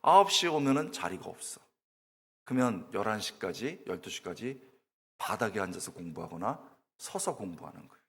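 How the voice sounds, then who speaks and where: Male pastor, middle-aged, lively sermon delivery, breathy tone, echoey sanctuary. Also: fairly low pitch, normal speed. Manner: storytelling, shouts and wails while acting out his own tearful prayer; addresses the congregation directly with questions. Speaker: pastor, guest preacher. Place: church sanctuary.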